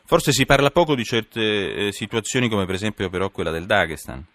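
A man hosting a live radio news interview, speaking in wordy, emphatic phrases with halting turns. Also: lowish voice, fairly bright tone, dry recording.

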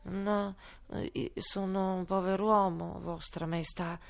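A flustered hatter stumbles over his words in a slow, trembling, high-pitched voice, as a woman puts him on. Every answer is hesitant and broken by stammers. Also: fairly even intonation. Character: nervous, flustered man hatter on trial.

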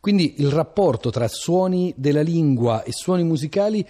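Mellow-voiced male radio interviewer. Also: on the high side, animated, moderate pace.

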